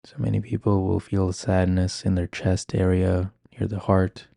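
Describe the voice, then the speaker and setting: A man leading a guided meditation in a calm, gentle, measured manner. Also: low-pitched, vocal fry, dry recording, studio quality. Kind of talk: guided meditation, ASMR-like instruction.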